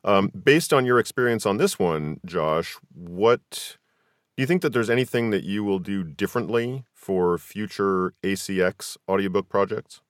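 A man hosting a casual interview, asking questions haltingly and rephrasing as he goes. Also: low voice, dry recording, studio quality. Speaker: podcast host, interviewer.

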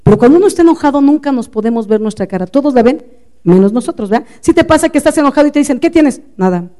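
Warm high-voiced Mexican woman storyteller. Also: racing. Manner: lively, confiding, playful asides to the audience. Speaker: speaker addressing women. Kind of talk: storytelling talk.

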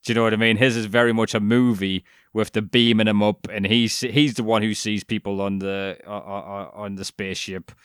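A man's voice: lowish voice, steady tone, a little fast, hardly any pauses, a bit bright, clean tone, no echo, studio quality. A man co-hosting a podcast, rambling through a casual chat about a documentary with frequent restarts, fillers and the odd swear word. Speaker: podcast co-host.

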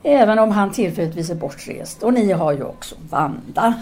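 A woman acting as a candid, rational intellectual in a radio play. Her voice is dark and soft-edged at a medium pitch, measured and formal. She stays composed, with faint noise behind her. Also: expressive, close to an everyday voice. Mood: cool, reasoning. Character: cool, candid female French intellectual, rational and frank. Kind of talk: audio drama dialogue.

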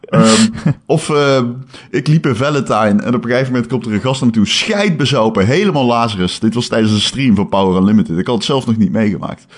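A man chatting casually as a podcast host, an animated storyteller who swears freely. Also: medium pitch, brisk. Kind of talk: casual chat.

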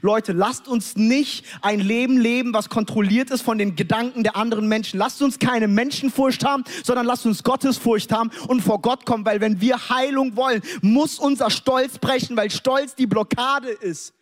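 Animated high-voiced German preacher. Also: male voice, normal speed, hardly any pauses. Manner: animated storytelling, acts out scenes, with English interjections. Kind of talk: sermon.

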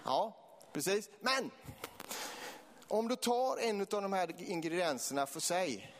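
A man's voice: high-pitched, lively intonation, big-room sound, a little hiss or hum. A man from Småland giving a church sermon with a Småland accent, telling personal stories with laughter and rising to fervent preaching. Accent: Småland Swedish.

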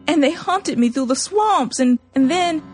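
A woman's voice: high voice, animated, a little slow, faint music behind, voice pushed up. A woman voicing a desperate young woman on the edge of tears. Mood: tremulous. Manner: faltering, stammering. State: near tears.

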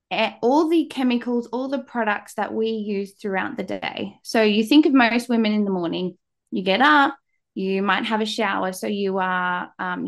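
A woman in her thirties from Australia with an Australian accent, a chatty guest explaining things on a podcast. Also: medium pitch. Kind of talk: casual podcast interview.

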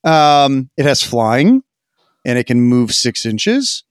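Man, podcast co-host, sarcastic, animated, mid pitch, dry close sound. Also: slow, smooth, no room sound. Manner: animated, sarcastic, swings loud and quiet. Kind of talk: casual gaming podcast chat.

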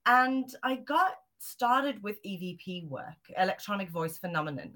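A woman from Zimbabwe and South Africa, a guest telling her story in a lively interview. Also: mid-range voice. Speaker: guest, psychic medium and author. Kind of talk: interview answers.

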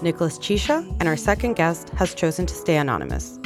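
A woman hosting a podcast, reading a clear, informative introduction. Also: on the low side, huge pitch swings, fast, music in the background. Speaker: podcast host. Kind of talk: scripted podcast intro and chat.

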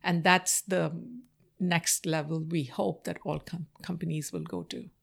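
Answering interview questions about her career and life, this Marathi-speaking woman from India is reflective, pausing often and using plenty of fillers. She speaks in a low, steady, slightly rough voice with vocal fry.

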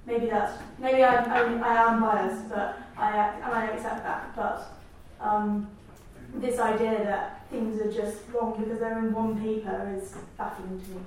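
A woman's voice: a little high, flat delivery, unhurried, slight background noise. A woman journalist speaking as a panelist, firm and defensive. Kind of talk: panel discussion. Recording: echoey hall, distant mic.

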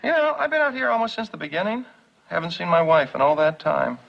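A man's voice: sits high, expressive, fast, gravelly, full character voice. An actor playing a jealous wounded soldier complaining about his wife, in sitcom-style acting from dull lo-fi TV audio. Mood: grousing.

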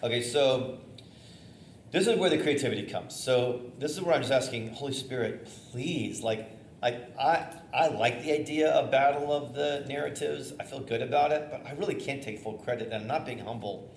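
Energetic bishop teaching preaching, echoey room. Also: male voice, medium pitch, normal speed, creaky. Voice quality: loud voice, theater-trained. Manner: conversational, energetic, with fillers and restarts. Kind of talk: informal teaching talk on preaching. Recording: echoey room, faint noise.

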